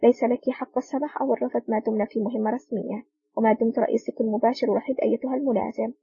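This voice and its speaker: A woman reading the lines of a cold, sharp-tongued male special agent in an audiobook, in a curt, scolding way. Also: very high-pitched, fairly even intonation, rapid-fire, slightly rough, no room sound, highs cut off, heavily acted.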